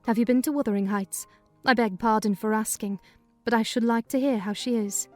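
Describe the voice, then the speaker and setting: A woman's voice: fairly high pitch, steady tone, brisk, darkish tone, dry recording, faint music behind, natural voice. A woman reading a kindly, talkative older housekeeper in a dramatized audiobook. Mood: chatty. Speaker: narrator voicing housekeeper.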